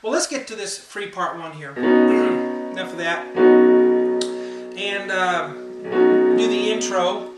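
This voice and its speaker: A man with a rather high voice giving a casual, relaxed piano lesson at a whiteboard, talking through chords with plenty of fillers. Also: takes it slowly, pauses often. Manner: relaxed, chatty, many fillers, counts beats and hums notes. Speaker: piano teacher. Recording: roomy sound from a distance over loud piano.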